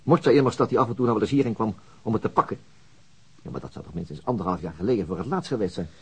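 A man acting a terse, evasive police detective in a radio play, measured and noncommittal. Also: fairly low pitch, a little mellow, breathy edge. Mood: analytical. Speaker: actor in a radio drama. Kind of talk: naturalistic radio play dialogue.

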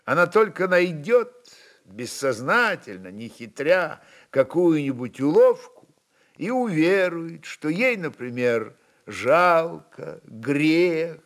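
A man narrating literary prose expressively as a storyteller, with dramatic pauses. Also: fairly high pitch, very animated, fairly bright tone.

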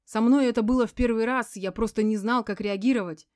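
A woman's voice: fairly high pitch, steady tone, a little fast, darkish tone, dry recording, pitched above the performer's own voice, natural voice. A woman reading an audiobook voices a hurt, bewildered man defending himself, in a subdued manner close to her own voice. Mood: hurt, defensive.

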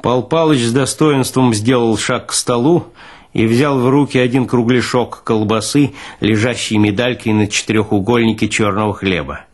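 Male narrator, scripted literary reading, mid pitch, expressive, deliberate phrasing.

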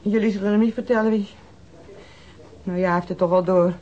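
A woman's voice: mid-range voice, steady tone, a little fast, dark tone, lightly acted. An actress playing a defiant, streetwise woman informant under police questioning in a radio drama, sneering and coarse-mouthed. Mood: guarded, grudging. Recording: muffled, noisy old radio drama recording.

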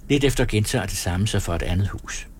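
A man reading a novel aloud in steady, descriptive scripted narration. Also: on the low side, slight background noise. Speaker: audiobook narrator.

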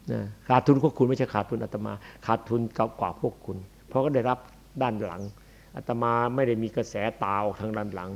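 Male monk, dharma sermon, blunt and demonstrative, dull lo-fi archive recording. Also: mid-range voice. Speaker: Buddhist monk preacher.

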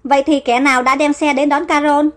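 A woman's voice: high-pitched, level tone, a little fast, fairly bright tone, soft background music. A woman voicing a level-headed young man who reasons out a kidnapping. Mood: suspicious. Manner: reasoning, suspicious.

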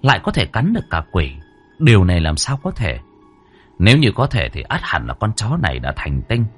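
A man narrating a scripted story with dramatic, expressive delivery. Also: lowish voice, fairly quick, slightly rough, faint music behind.

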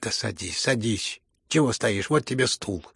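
A man reading a storybook who voices a stern middle-aged noblewoman, shrill and indignant as she scolds. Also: animated, a little slow, vocal fry, fairly bright tone, breathy edge, no room sound, clean studio sound, full character voice. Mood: alarmed.

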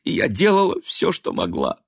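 A man's voice: mid-range voice, expressive, normal speed, no room sound, clean studio sound, voice pushed up, lightly acted. A man voicing an aging, stubborn, self-pitying mother, in a raised, fussy, plaintive tone. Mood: tearful. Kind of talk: audiobook character voice.

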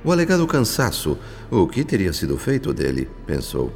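An actor playing a solemn, literary narrator of a Brazilian radio drama, with a Brazilian accent. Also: male voice, lowish voice, huge pitch swings, moderate pace, gravelly, full character voice. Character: solemn male spirit narrator, literary and judgmental. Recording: long reverb, faint music behind.

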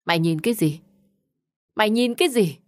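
A woman voicing a harsh, quick-tempered middle-aged mother who shouts insults in an audio story. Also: medium pitch, expressive, voice pushed up, close to an everyday voice. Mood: furious.

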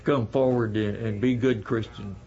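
A man's voice: lowish voice, steady tone, measured pace, mellow, dull audio. A man with an American accent recalling his past in an unscripted interview. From rural United States. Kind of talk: spoken recollection in an interview.

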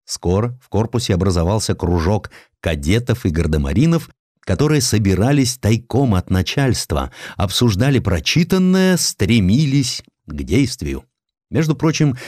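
A man reading historical prose as an audiobook narrator, in an expressive storytelling manner with a dramatized touch. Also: on the low side, moderate pace, dry recording, studio quality. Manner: expressive storytelling, acting out quoted lines.

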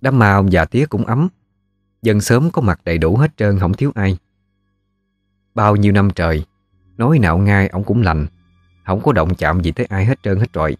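A man with a Southern Vietnamese accent narrating a ghost story in a folksy, unhurried way. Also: on the low side, animated, no echo, studio quality, faint music behind.

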